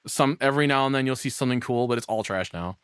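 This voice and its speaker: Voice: mid-range voice, very fast, smooth, no echo, studio quality. A streamer giving casual off-the-cuff reactions, blunt, rambling and foul-mouthed.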